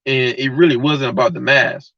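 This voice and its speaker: A man's voice: medium pitch, fairly even intonation, normal speed, pushed and bright. A man hosting a livestream, giving a blunt, heated, slangy rant straight to his viewers. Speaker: livestream host. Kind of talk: casual slangy rant to live chat. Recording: dull lo-fi mic.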